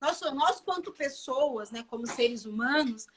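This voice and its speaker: A woman's voice: sits high, expressive, a little slow, a little hiss or hum. A Brazilian woman with a Bahian accent, a chef chatting casually as a guest and repeating phrases for emphasis. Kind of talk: casual live conversation.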